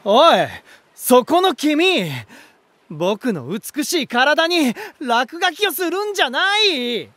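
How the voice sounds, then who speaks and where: An actor playing an elegant, romantic lighthouse spirit in a voice drama, gentle and warm, with poetic, softly teasing delivery. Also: male voice, extremely high pitch, sing-song, slow, no room sound, full character voice. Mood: indignant. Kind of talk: Japanese voice drama monologue and dialogue. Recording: music behind. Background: music.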